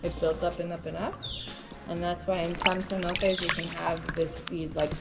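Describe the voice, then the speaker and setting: A woman's voice: fairly low pitch, flat delivery, moderate pace, vocal fry, loud music behind the voice. A woman guide explaining things casually, with a lot of "like" fillers.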